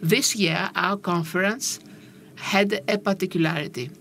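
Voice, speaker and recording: A woman giving simultaneous interpretation of a panel discussion, with a halting, measured delivery and frequent pauses. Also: lowish voice, a bit bright, slight background noise. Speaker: conference interpreter.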